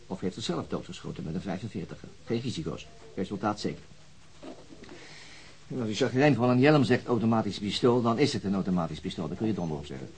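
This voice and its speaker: Dogged cop in a radio play, lowish voice, dry and laconic. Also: male voice, darkish tone, rough recording. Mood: musing, determined. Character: dogged, dry-humoured male police detective. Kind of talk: radio drama acting.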